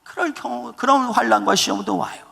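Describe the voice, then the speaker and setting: A male pastor preaching with fervor in a high, bright, sharp voice that leaps up and down. His tone is gravelly, and he shifts from shouted peaks to near-whispers. The sound rings with a long reverb from a church hall. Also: brisk. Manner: fervent preaching with sudden shouted peaks and hushed drops; leads congregation in call-and-response. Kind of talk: sermon. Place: church sanctuary.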